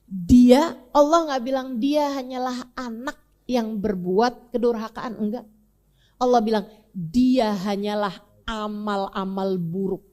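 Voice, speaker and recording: A woman's voice: fairly high pitch, steady tone, unhurried, a little mellow. A woman preacher giving a sermon that retells a story, mixing playful everyday asides with a dramatic telling. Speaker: Islamic preacher.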